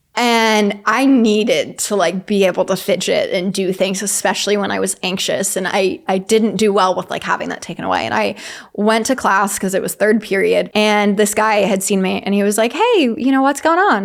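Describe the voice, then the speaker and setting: In a US Northeastern accent, a woman talks at a medium pitch with ordinary variation, leaving hardly any pauses. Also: moderate pace. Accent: US Northeast. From Connecticut. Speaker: podcast guest sharing personal story. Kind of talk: testimony. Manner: animated.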